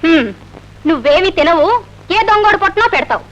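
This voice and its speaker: An actress playing a caring but scolding young sister in an old film scene. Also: female voice, extremely high pitch, expressive, fairly bright tone, dull audio, slight background noise. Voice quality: scolding, quick-witted. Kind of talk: 1970s Telugu film acting. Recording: old film soundtrack with music.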